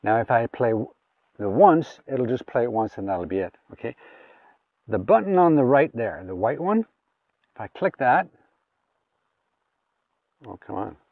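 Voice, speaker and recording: A man's voice: mid-range voice, sing-song, a little slow, long pauses, no room sound. Man on thin, distant-sounding audio. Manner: informal, talking through each step aloud. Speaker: gadget reviewer. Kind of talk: casual hands-on product demonstration. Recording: phone-like, thin sound, off the mic.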